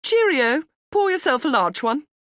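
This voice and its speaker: A woman's voice: sits high, very animated, normal speed, fairly bright tone, no room sound, studio quality, pitched above the performer's own voice. A woman voicing a breezy posh woman in her sixties for an audiobook, trilling, exclamatory and cheerfully gloomy. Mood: gleefully gloomy. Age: 60s.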